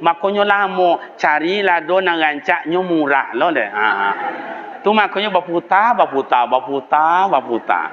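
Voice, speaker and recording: A man preaching a lively, humorous sermon in a village mosque, speaking, acting out the voices in his stories and putting questions to the congregation. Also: high-pitched, a little hiss or hum. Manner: animated storytelling, acts out voices, quizzes the congregation. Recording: dull lo-fi sermon recording with faint ambience.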